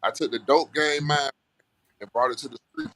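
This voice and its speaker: A man's voice: fairly high pitch, moderate pace, a bit bright. A man from Alabama with a Southern Black American accent, chatting casually and earnestly in a folksy way as an interview guest. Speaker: music artist guest.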